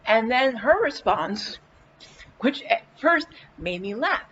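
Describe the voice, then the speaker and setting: A woman chatting casually in a personal vlog, goofy and playful, swearing freely and haltingly repeating words as she searches for them. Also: a little high, sing-song, fairly bright tone, highs cut off, slight background noise. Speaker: vlog host. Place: indoors, lying in a hospital bed with a fan running.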